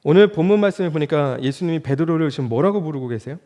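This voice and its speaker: A man in his thirties preaches in a church, his voice sitting a little higher than most men's. He works as a junior pastor and keeps turning to the congregation with rhetorical questions. His loudness climbs for emphasis and falls back to a near murmur. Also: animated, fast. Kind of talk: sermon.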